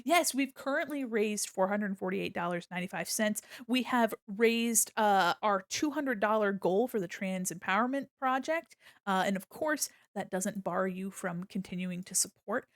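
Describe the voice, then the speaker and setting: A woman's voice: mid-range voice, normal speed, few pauses, no echo, studio quality. A woman hosting a casual livestream, chatting to viewers in a cute, bubbly, playful and gushing anime-streamer manner. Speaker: livestream host, illustrator and animator.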